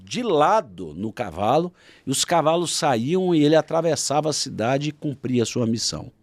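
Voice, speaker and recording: A man with a Brazilian Portuguese accent, a guest author, telling a historical story in a podcast interview and acting out shouted quotes. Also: fairly high pitch, sing-song, normal speed, no room sound.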